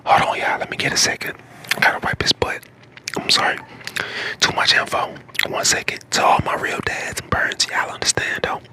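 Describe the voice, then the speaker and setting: A man in his twenties from St. Louis, hoarse and getting over a lost voice, chatting casually to his live stream in a whisper that cracks in and out. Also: brisk. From St. Louis, Missouri, USA. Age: 20s. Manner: whispering throughout.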